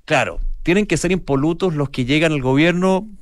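A man's voice: fairly high pitch, brisk, no room sound. Chilean male radio co-host, rambling commentary, dry close sound. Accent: Chilean Spanish. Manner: rambling, restarts often, thinks aloud. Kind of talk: morning news commentary.

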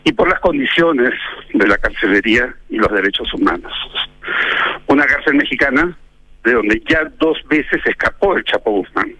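Male pundit guest, bright forceful voice, dry close sound, emphatic and argumentative. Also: mid-range voice, expressive, moderate pace, slightly rough, no room sound, muffled recording. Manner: emphatic, argumentative, ironic asides. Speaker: political analyst guest. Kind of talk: radio interview commentary.

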